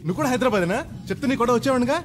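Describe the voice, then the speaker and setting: A man's voice: very high-pitched, very fast, background noise. An actor playing a naive, chatty village man on his first flight, in a film comedy scene. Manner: loud, rustic and chatty. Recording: film audio with music behind.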